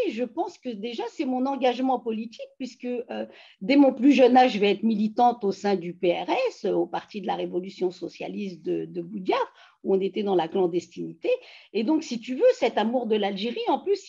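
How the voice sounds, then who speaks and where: Husky high-voiced Frenchwoman on a video call. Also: moderate pace. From France. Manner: animated, emphatic storytelling with many fillers. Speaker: interviewee, feminist activist. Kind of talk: casual interview over video call. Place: home living room. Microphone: laptop webcam mic on video call. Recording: dull lo-fi video call audio.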